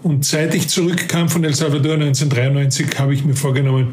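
Reflective Carinthian-accented man, fairly high voice. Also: fairly even intonation, fast talker, darkish tone, a little hiss or hum. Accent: Carinthian Austrian German. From Austria. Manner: reflective, repeats words while searching for them. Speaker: interview guest, former police officer. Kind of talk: casual interview talk.

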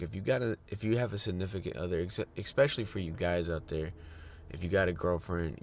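A man hosting a fitness podcast in a casual, rambling monologue, sounding a bit congested. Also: deep voice. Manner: upbeat, rambling with fillers and restarts.

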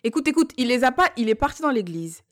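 A woman with a fairly high voice telling a chatty anecdote on a podcast. She rambles along with fillers and asides, relaxed and conversational. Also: fast talker. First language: Lingala. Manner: chatty storyteller with many fillers. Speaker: podcast co-host. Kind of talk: casual storytelling chat.

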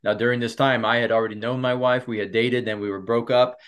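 A man's voice: medium pitch, steady tone, fast, a bit bright, clean tone. A man who is a pastor and marriage coach, telling his personal story in an earnest interview with frequent restarts. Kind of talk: casual interview.

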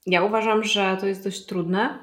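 A woman's voice: mid-range voice, fairly even intonation, measured pace, a bit bright, echoey room. A woman guest in a casual interview who explains language learning at length, thinking aloud with fillers and restarts. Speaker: polyglot guest.

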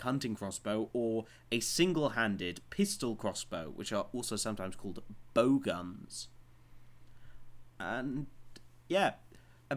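A man co-hosting a casual news chat, joking in a dry way with plenty of ums and uhs. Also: mid-range voice. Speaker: podcast co-host.

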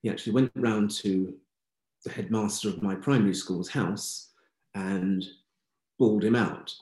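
A man in his sixties with a well-spoken English accent, recounting his life story as an interview guest in a measured, candid way. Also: on the low side, a little mellow, roomy sound, poor audio. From England. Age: 60s. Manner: measured, candid, matter-of-fact. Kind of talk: reflective life-story telling.

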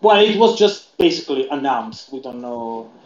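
A man's voice: medium pitch, sing-song, normal speed. A man co-hosting a casual gaming chat, talking in long rambling stretches with frequent restarts. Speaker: podcast co-host. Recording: echoey room, dull lo-fi sound.

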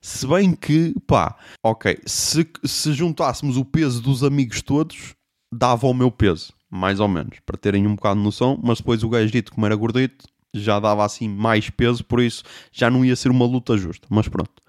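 Animated man telling a story. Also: mid-range voice, normal speed, dry recording, clean studio sound. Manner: animated, swearing, sound effects. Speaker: podcast host. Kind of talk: comic storytelling.

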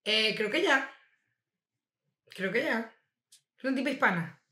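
A young woman chats and gossips freely, laughing often as she talks. Her voice sits fairly high. The room around her rings with echo. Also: expressive, a little slow, sharp tone. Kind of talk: casual chat. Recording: roomy echo.

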